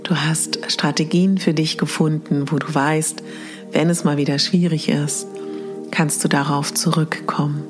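A woman leading a guided meditation in the soothing manner of a sleep story narrator, with breathy phrase endings. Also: sits low, steady tone, unhurried. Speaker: podcast host and guided exercise leader. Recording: music behind the voice. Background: clear background music.

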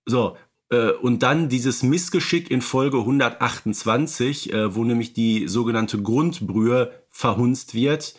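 A man's voice: mid-range voice, measured pace. A man co-hosting a fan podcast, talking casually and rambling with many fillers and restarts. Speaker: podcast co-host.

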